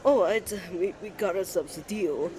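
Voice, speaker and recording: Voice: medium pitch, normal speed, darkish tone, a little hiss or hum, close to an everyday voice, low-quality recording. A voice actor playing a shy, flustered male college student in love, stammering, earnest and courteous, in a romantic ASMR roleplay. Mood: flustered, bargaining. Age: young adult.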